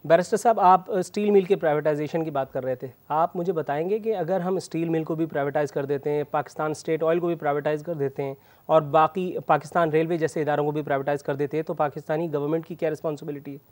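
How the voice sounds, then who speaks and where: A man's voice: on the high side, fairly even intonation, fast, darkish tone. A man with a Pakistani Urdu accent hosting a combative TV interview in a studio, challenging his guest and interrupting with pointed jabs. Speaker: talk show host.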